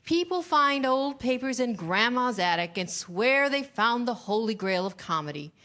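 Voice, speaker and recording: A woman's voice: fairly high pitch, sing-song, normal speed, bright, forceful tone. A woman playing a seductive, manipulative Hollywood producer with a condescending streak in a staged reading. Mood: dismissive, condescending.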